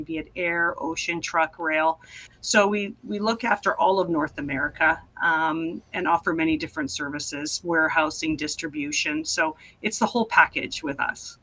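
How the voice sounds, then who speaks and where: A middle-aged woman from Canada answering interview questions in a friendly, explanatory way. Her voice has a bright, crisp edge to it. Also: sits low. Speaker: guest, logistics professional.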